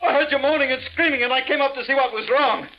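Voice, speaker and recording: A muffled, noisy vintage radio drama. a defensive accused man, very high in pitch, protesting urgently. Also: quick pace. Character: defensive relative hurriedly denying a murder attempt. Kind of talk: 1940s radio horror acting.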